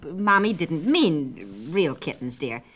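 Aktorka grająca upartą, gadatliwą i roztrzepaną żonę i matkę w komediowym słuchowisku radiowym z lat 50., gubi wątek w pół zdania. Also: female voice, low-pitched, very animated, slow, a bit bright, muffled recording, heavily acted. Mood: flustered, scolding. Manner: fussy, scatterbrained, trails off mid-thought. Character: flustered, chatty, stubborn housewife and mother. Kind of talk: 1950s radio comedy acting.

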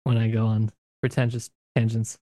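A man's voice: on the low side, completely flat delivery, normal speed, mellow, no echo, clean studio sound. A man co-hosting a book discussion podcast, talking in a thoughtful, searching way with frequent restarts. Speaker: podcast co-host.

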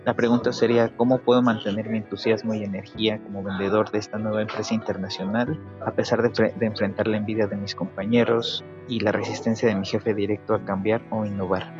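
A man reads a listener's letter aloud in a low, steady, flat tone. The sound is dull and lo-fi, and clear music plays under him. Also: fast, few pauses. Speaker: reader of a listener's question.

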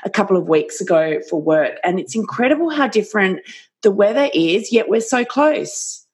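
A woman's voice: mid-range voice, lively intonation, moderate pace. An Australian woman hosting a podcast and interviewing a guest, reading a scripted intro and then chatting. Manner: warm, scripted intro then easy chat. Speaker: podcast host, business coach. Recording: music bed behind voice.

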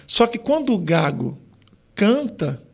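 A Brazilian gospel singer and vocal coach explaining singing on a podcast, with lots of "né" and "tipo" fillers. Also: male voice, high-pitched, very animated, slow pace, gravelly, slightly rough. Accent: Brazilian Portuguese. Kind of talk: podcast interview.

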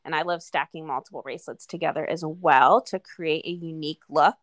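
A woman's voice: sits low, fairly even intonation, a little fast, no echo, studio quality. A woman co-hosting a podcast, speaking in an informal, chatty way. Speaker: podcast co-host. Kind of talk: casual chat and read sponsor spots.

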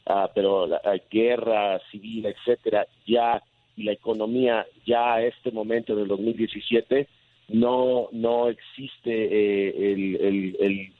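A male immigration lawyer answering interview questions, halting with many fillers and restarts. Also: fairly low pitch, steady tone, no echo. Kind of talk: casual radio interview answers. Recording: tinny phone line.

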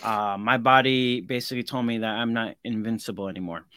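A man's voice: lowish voice, steady tone, brisk, pushed and bright, smooth, dry recording, studio quality. A man in his forties, a guest craftsman in a casual interview, talking earnestly and reflectively and often restarting his sentences. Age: 40s.

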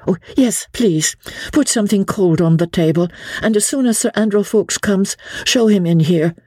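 A woman's voice: mid-range voice, moderate pace, warm tone, no echo, clean studio sound, voice pushed up, lightly acted. A woman voicing an aristocratic young lady, polite and commanding yet anxious, in an audiobook. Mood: composed, urgent.

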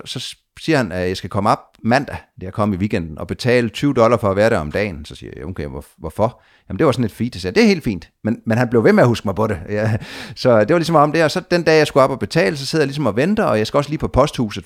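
A man telling a long story of his trip in a casual conversation, lively, with frequent restarts and repeated words. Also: on the low side, hardly any pauses.

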